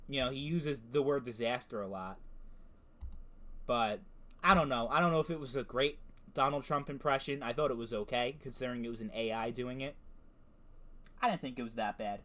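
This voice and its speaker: A man with a medium-pitched, slightly bright voice hosts a casual gaming video, reading out chatbot outputs and commenting on them. He's relaxed and self-deprecating, laughing and swearing as he reacts.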